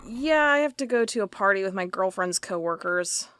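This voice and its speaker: A woman's voice: mid-range voice, animated, moderate pace, a bit bright, clean tone, lightly acted. A woman playing a wry young office worker in an audio drama, talking casually and reading aloud in a conversational way. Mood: dry, casual.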